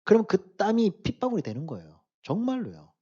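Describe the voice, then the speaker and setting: Guy preaching to teens, high lively voice, goes from hushed to loud, kinda muffled recording. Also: a little fast, slightly rough. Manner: swings from hushed asides to loud emphatic exhortation; casual, speaks directly to the youth with questions. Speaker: preacher at a youth service. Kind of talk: sermon to teenagers.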